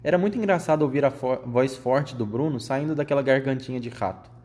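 A man of medium pitch reading a storybook aloud to a child. He narrates plainly and asks the listener gentle questions between passages. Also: a little fast.

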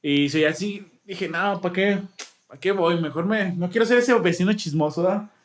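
A man's voice: high voice, normal speed, echoey room. A man with a Mexican accent, co-hosting a podcast and telling a rambling story in slangy casual chat, acting out what people said. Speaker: podcast co-host.

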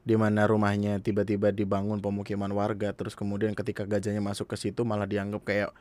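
A man's voice: lowish voice, monotone, quick pace, a little mellow, no echo. A young man, earnestly commenting in a casual monologue, speaking straight to his listeners. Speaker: podcast host.

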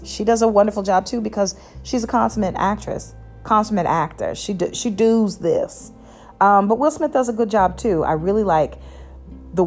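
Chatty woman podcaster, low-pitched voice. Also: a little mellow. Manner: chatty, rambling, many fillers and restarts. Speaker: podcast host. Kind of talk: casual solo podcast talk.

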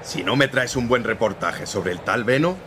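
A man playing a curt, gruff newspaper editor. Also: medium pitch, normal speed, background noise, natural voice. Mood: stern. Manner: curt, commanding. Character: gruff middle-aged male newspaper editor. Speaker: editor-in-chief.

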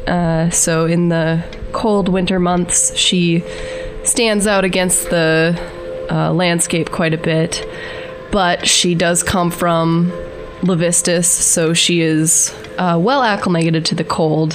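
A woman gives a casual recap of her character on a tabletop show. Her voice sits a bit low and she takes her time. Faint music is behind her. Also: steady tone, slow.

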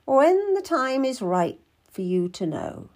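A woman's voice: high voice, big pitch swings, takes it slowly, darkish tone, voice pushed up, full character voice. Woman acting stern, secretive old midwife. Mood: grave, secretive. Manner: commanding, clipped, solemn.

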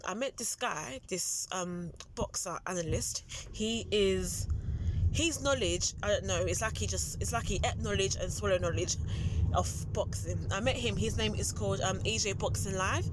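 A woman's voice: mid-range voice, background noise. Woman, chatting in a taxi. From London, England. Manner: rambling, with frequent ums and you-knows. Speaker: guest. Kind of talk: casual interview chat. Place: inside a taxi.

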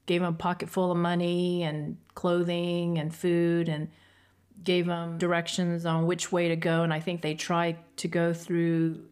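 Casting: middle-aged mom guest, lowish voice, tells family stories in a casual podcast chat. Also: female voice, monotone, unhurried, darkish tone, clear, resonant tone. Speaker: guest, host's mother. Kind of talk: casual conversation.

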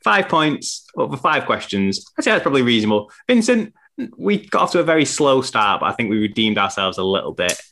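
A man's voice: medium pitch, big pitch swings, fairly quick, sharp tone. A young man hosting a casual sports podcast over a video call, chatty and rambling, often correcting himself. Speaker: podcast host.

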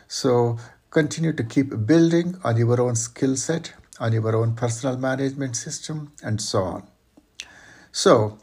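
A man giving measured career advice as an interview guest, explaining points through lists and examples. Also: medium pitch, a little mellow, husky.

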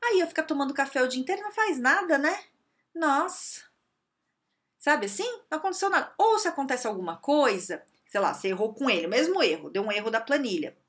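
A woman's voice: sits high, big pitch swings, fast, a bit bright. A woman with a Brazilian Portuguese accent hosting a podcast, giving career advice in a direct, conversational way and checking in with the listener often. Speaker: podcast host and career adviser.

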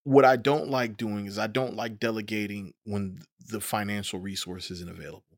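A man's voice: on the low side, steady tone, moderate pace, no room sound, clean studio sound. A man with an African American accent chatting casually, laid-back and slangy, often affirming the other speaker. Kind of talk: casual chat.

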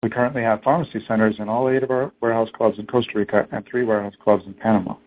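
A man's voice: on the low side, fairly even intonation, rapid-fire. A man reading a scripted business presentation as a company executive on an earnings conference call. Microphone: conference call phone line. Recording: narrow tinny phone-line audio.

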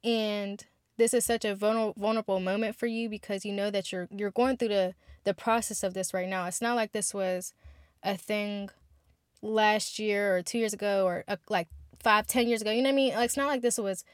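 A woman's voice: mid-range voice, steady tone, normal speed, clear, resonant tone, no room sound, studio quality. A twenty-one-year-old woman hosting a podcast, speaking candidly and heartfelt straight to her listeners in a casual monologue. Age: 20s. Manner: candid, heartfelt, chatty, addresses listeners directly. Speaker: podcast host.

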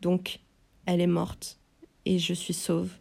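A woman narrating a novel in first person, in a measured, inward, tense way. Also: lowish voice, monotone, creaky, dark tone, slightly rough. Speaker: audiobook narrator.

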